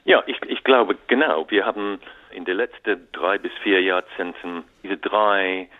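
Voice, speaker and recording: Halting man on a tinny phone line. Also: sits low, steady tone. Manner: halting non-native German with repeated restarts and English fillers. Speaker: author and interview guest. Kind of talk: radio interview.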